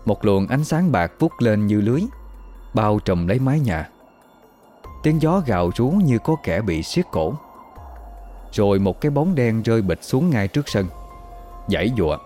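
A man telling a horror story in slow, even, suspenseful narration. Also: fairly low pitch. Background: faint music.

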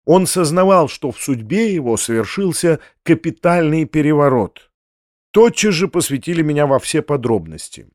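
A man's voice: fairly high pitch, expressive, moderate pace, a little mellow, no room sound. Man narrating a classic novel, dry and close. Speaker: audiobook narrator. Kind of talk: scripted literary narration.

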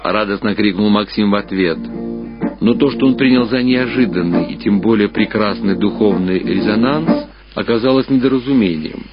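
A man reading literary fiction aloud as a narrator, with measured, expressive dramatic storytelling. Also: on the low side. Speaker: audiobook narrator. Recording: muffled radio-style sound, music behind. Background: clear background music.

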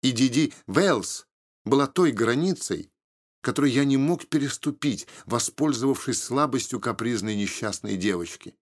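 Guy reading a novel first person, steady and measured, middle-of-the-road pitch. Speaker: audiobook narrator. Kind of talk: first-person scripted narration.

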